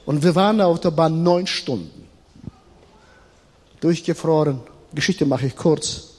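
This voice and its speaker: A middle-aged man preaching a sermon, switching between loud emphatic passages and quiet, confiding storytelling. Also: a little high, a little slow. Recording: long reverb of a large hall.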